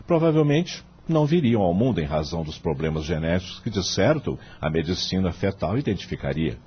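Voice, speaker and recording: A man playing a deep, husky, kindly old professor. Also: muffled recording, full character voice. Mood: earnest. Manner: didactic, measured, reassuring, rhetorical questions. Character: kindly older male law professor, calm wise mentor. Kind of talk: dramatized audiobook dialogue.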